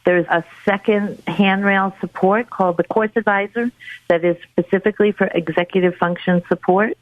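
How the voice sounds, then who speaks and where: A woman's voice: medium pitch, fairly even intonation, moderate pace, no echo. A woman giving polished, formal promotional answers as a college representative, speaking over a remote call. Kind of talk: informational interview answers. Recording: very narrow phone-like line.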